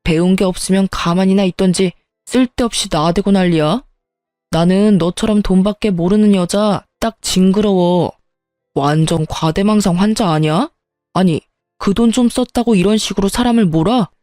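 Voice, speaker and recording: A woman's voice: medium pitch, normal speed, dark tone, dry recording, clean studio sound, faint music behind, natural voice. A woman reading the lines of an arrogant, belittling husband in a spoken story. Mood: scornful. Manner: smug and belittling. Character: arrogant, dismissive married man. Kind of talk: storytelling with voiced dialogue.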